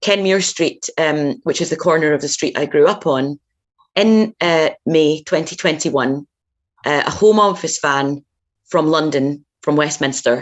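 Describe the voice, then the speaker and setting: Ordinary pitch variation marks speech delivered at a fairly slow pace. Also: woman, very deep, low pitch for a woman. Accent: Glasgow. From Scotland, Glasgow. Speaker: anti-racism campaigner. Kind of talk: talk to a meeting. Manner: halting, many fillers.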